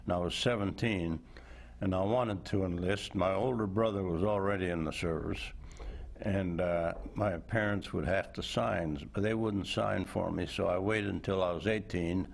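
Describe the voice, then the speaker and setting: A man in his nineties, a veteran recounting memories as a studio interview guest, unhurried and thoughtful with frequent pauses. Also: low voice, steady tone, vocal fry. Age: 90s. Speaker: war veteran and author. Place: indoor television studio.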